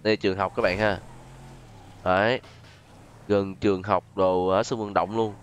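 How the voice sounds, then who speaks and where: A man's voice: low-pitched, flat delivery, moderate pace, a little hiss or hum. A man with a southern Vietnamese accent giving chatty, exclamatory gameplay commentary and often addressing his viewers. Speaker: gaming YouTuber host. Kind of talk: casual gameplay commentary with role-play.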